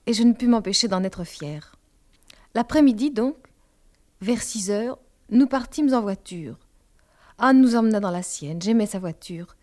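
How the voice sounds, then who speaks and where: A woman's voice: mid-range voice, mellow. Woman reading a literary audiobook. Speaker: audiobook reader. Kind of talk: scripted literary narration.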